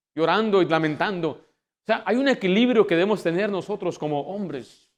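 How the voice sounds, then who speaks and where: A man preaching as pastor, telling personal stories with acted-out quotes and rising to loud, forceful exhortation. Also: a little high. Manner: storytelling, acts out quoted voices, builds to loud exhortation. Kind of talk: sermon.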